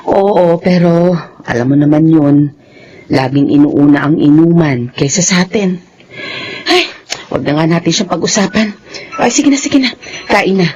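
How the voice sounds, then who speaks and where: An actress playing a poor, caring mother who talks gently to her daughter. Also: lowish voice, animated, measured pace, long pauses, husky, dull audio. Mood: tender. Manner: gentle, tender.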